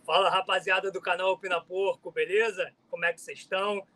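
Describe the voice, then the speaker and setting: A man's voice: high-pitched, fairly even intonation, fast, pushed and bright, rough recording. A man guesting on a casual football chat, upbeat and friendly as he greets viewers. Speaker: guest channel host, Flamengo fan.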